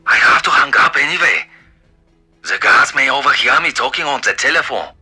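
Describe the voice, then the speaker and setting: An actor playing an eccentric, older German wartime scientist in a video game, excitable and arrogant, raspy and halting, with a German accent. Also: male voice, mid-range voice, soft background music, exaggerated voice. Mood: agitated. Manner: halting, theatrical, with abrupt outbursts. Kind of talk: video game character acting.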